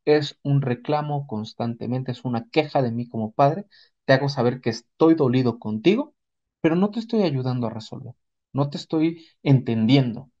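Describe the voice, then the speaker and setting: A man with a Mexican accent speaks as a psychotherapist explaining things step by step. His voice is relaxed and warm at an average male pitch. He teaches through rhetorical questions and examples, and the sound is a little dull. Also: normal speed. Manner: didactic, checks in with rhetorical questions. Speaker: psychotherapist giving a parenting talk. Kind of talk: explanatory talk with acted examples.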